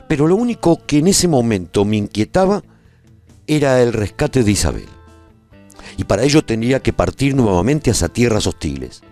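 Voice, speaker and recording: A man's voice: on the low side, a little mellow. A male actor playing a weary, nostalgic warrior who survived the end of the world, narrating his saga in a solemn, theatrical radio drama style. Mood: solemn, resolute. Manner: solemn, brooding, theatrical delivery. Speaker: narrator and protagonist of a radio serial.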